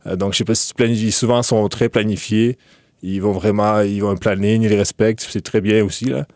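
Deep, flat-voiced young man, hesitant. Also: a little fast, dry recording, studio quality. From Ukraine. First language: Russian. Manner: hesitant, many fillers and restarts. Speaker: guest. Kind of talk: relaxed interview talk.

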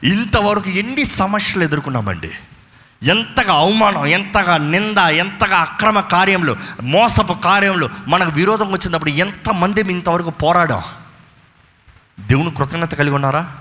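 Fervent high-voiced male pastor. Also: lively intonation, moderate pace, a little hiss or hum. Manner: fervent, repetitive exhortation, calls for loud praise. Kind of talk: sermon with prayer. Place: church. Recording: reverberant church hall with music.

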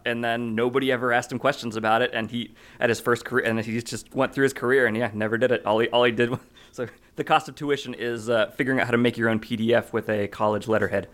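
Relaxed man in casual podcast chat. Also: medium pitch, fast talker. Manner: relaxed, hesitant, lots of "like" and "uh" restarts. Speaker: podcast co-host.

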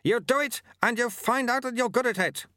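Male narrator as old sweeper monk: bossy, colloquial, unflappable, lively high voice, very dry recording. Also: normal speed, no echo. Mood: gruff encouragement.

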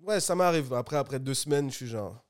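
A man in his twenties from Guadeloupe with a Guadeloupean accent, a music producer talking as a guest in a relaxed, easygoing way. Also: medium pitch, fairly quick. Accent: Guadeloupean French. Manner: relaxed, laid-back, mixes English slang. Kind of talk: casual podcast chat.

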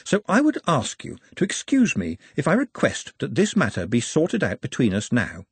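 A man voicing a polite, precise male orc who stays menacingly calm and speaks in formal, pedantic phrases. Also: medium pitch, moderate pace, husky, no room sound, exaggerated voice. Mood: courteous.

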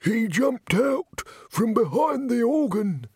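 A man voicing a shaken, self-important scenery painter in an excitable, plaintive, drawn-out way. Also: sits high, gravelly, no room sound, studio quality, voice pushed up, heavily acted. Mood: self-dramatising.

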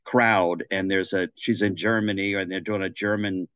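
A man's voice: sits low, steady tone, moderate pace, fairly bright tone, no room sound, highs cut off. A man, an actor being interviewed, joking along in a goofy, rambling way. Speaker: actor, podcast guest.

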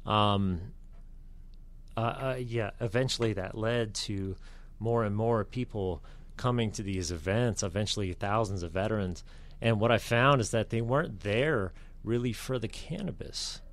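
Low-voiced veteran man, halting speech. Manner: halting, many fillers and restarts. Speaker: veteran advocate guest. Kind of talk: casual radio talk.

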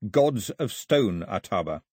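Guy doing young island lad for an audiobook, blunt, stubborn doubter, kinda husky and animated. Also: fairly low pitch, slow, dry recording, clean studio sound, exaggerated voice. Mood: doubtful. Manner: blunt, challenging.

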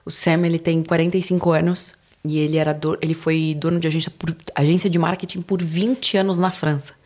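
A woman's voice: deep voice, brisk. A young woman with a São Paulo accent, chatting casually as a podcast guest and acting out the people she quotes. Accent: São Paulo Portuguese. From Brazil. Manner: animated storyteller, acts out quoted dialogue. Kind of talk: casual chat.

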